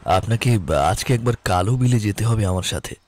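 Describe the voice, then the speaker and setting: A man plays a polite young scholar in a horror radio drama. His voice is on the low side. There is clear noise behind him. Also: a little fast, close to an everyday voice. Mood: earnest request. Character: polite young male researcher asking a favour. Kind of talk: Bengali audio horror drama acting. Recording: noisy background.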